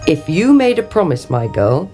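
A woman's voice: low voice, very animated, moderate pace, dark tone. A woman doing a stern old king. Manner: stern, firm. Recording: music playing underneath.

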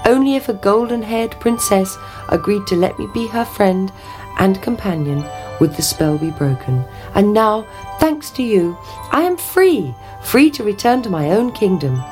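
An earnest young prince explains himself in lively, rising tones, as a woman reads him aloud. Music sits underneath. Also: medium pitch, unhurried, voice pushed up, lightly acted. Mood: joyful. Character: young prince, gentle and joyful.

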